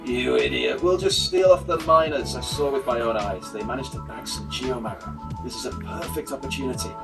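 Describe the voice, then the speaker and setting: A man's voice: medium pitch, expressive, brisk, creaky, far from the mic, loud music behind the voice. A man voicing an impatient, scheming thug in a video game, scornful and urging. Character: impatient, scheming thug bossing his dim partner.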